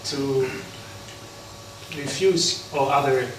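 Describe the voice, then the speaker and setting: Slow, halting monk in an echoey hall. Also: male voice, medium pitch. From Netherlands. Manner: halting, many pauses and fillers. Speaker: Buddhist monk giving a talk. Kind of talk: unprepared talk at an interfaith forum. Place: large hall. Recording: echoey hall from far off, background noise.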